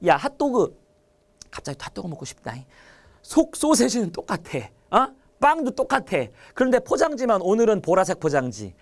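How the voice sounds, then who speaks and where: Lively lecturer, animated and chatty. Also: male voice, high voice. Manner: animated, chatty, addresses students with rhetorical questions and everyday analogies. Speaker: Korean literature lecturer. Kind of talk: online exam-prep lecture.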